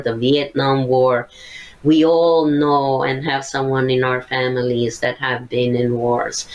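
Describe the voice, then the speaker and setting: An older woman speaks in a low, unhurried voice. She lays out her points one by one, earnest and methodical, like a therapist guiding a listener through a subject. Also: low-quality recording. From Syria. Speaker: psychotherapist guest. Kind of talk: podcast interview, explaining.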